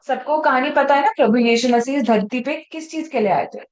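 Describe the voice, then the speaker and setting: A woman with a fairly high voice teaches a Sunday school class of children, telling the story with animation and putting questions to the kids. She sounds like she is in an echoey room. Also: fairly quick, a little mellow. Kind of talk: Bible story lesson for children. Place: church room with children, also on a video call.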